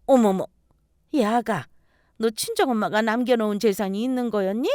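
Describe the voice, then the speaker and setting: A woman's voice: a little high, expressive, unhurried, clear, resonant tone, no room sound, clean studio sound. A woman voicing a scheming middle-aged future mother-in-law who shrieks and wails. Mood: scornful.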